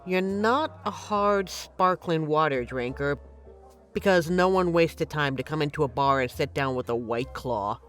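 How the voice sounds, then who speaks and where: A woman's voice: sits low, expressive, a little slow, faint music behind. A woman playing a flirty, teasing but caring bartender in an intimate, conversational audio roleplay. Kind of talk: intimate scripted roleplay, ASMR-like.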